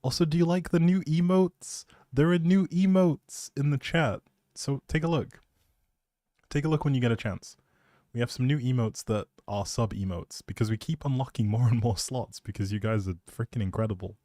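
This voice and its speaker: A man's voice: mid-range voice, moderate pace, mellow, no room sound, studio quality. A man live streaming, chatting casually in an appreciative, rambling way and thinking aloud as he goes.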